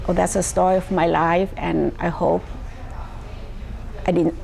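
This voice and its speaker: An older woman from Vietnam with a Vietnamese accent, telling her life story slowly, with many pauses and fillers. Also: lowish voice, flat delivery, creaky, darkish tone, slight background noise. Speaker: interviewee.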